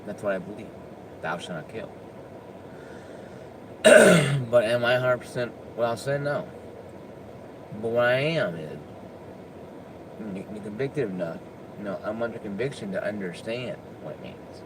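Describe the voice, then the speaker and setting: A man's voice: on the low side, animated, a little slow, pauses often, very noisy. A man delivering an unscripted opinion rant, emphatic and often stammering through restarts. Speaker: political commentator.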